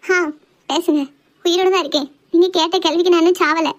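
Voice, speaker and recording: A woman's voice: extremely high pitch, fairly even intonation, fairly quick, background noise. A woman playing a sweet, easily wounded young girl in love in a cartoon drama, with a southern Tamil Nadu accent. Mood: wounded, bitter.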